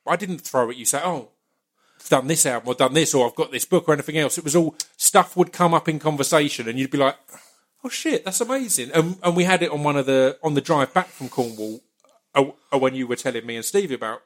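A man from Essex, England, chats casually as a podcast host, his voice fairly high and his pace quick. He stammers, often repeating words as he works his thoughts out.

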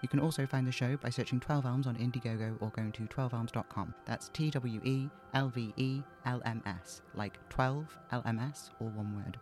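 A man's voice: medium pitch, moderate pace, hardly any pauses, a little mellow, faint music behind. A man giving a chatty, informal podcast announcement as the show's host. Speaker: audio drama podcast creator and host. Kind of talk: scripted podcast outro, casual announcement.

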